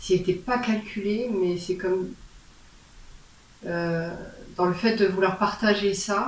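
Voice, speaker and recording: Speaking at a very slow pace with long, frequent pauses, a woman uses medium pitch and fairly even intonation over noticeable background noise. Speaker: storyteller and author. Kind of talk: interview answer. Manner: hesitant, reflective.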